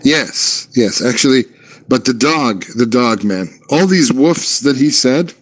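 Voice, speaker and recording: A man's voice: mid-range voice, expressive, slow. A man co-hosting a comedy show, telling mock-serious tall tales with hesitant fillers, on muffled lo-fi audio. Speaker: co-host. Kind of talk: comedic banter.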